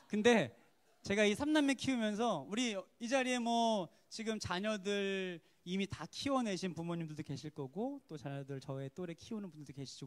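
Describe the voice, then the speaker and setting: A man, a worship minister, giving a testimony sermon at a church service, telling stories expressively, acting out quotes and laughing often. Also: high voice.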